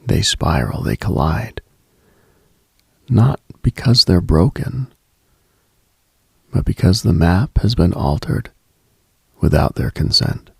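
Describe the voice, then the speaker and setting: A man hosting late-night radio with a slow, reflective monologue, measured and contemplative with deliberate pauses. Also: sits low, sing-song, gravelly, husky, no echo.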